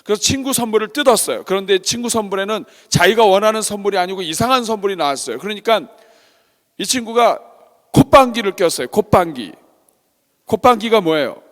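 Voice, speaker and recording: A man's voice: high-pitched, a little fast, long reverb tail. A man preaching a children's sermon in a church, telling a story and asking the congregation questions. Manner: animated, asks the congregation questions and acts out voices. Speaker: pastor. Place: church sanctuary.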